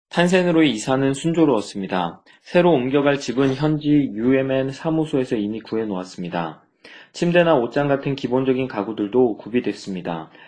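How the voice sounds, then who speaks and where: A man with a medium-pitched voice talks with lively intonation against a quiet background. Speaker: pastor. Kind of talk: reading aloud. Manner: somewhat hurried.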